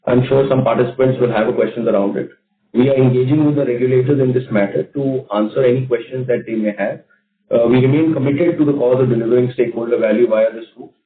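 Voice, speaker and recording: A man with an Indian accent giving formal, measured remarks as a company executive on an earnings call. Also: medium pitch, fairly even intonation. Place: conference call. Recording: distant, roomy, muffled conference phone line.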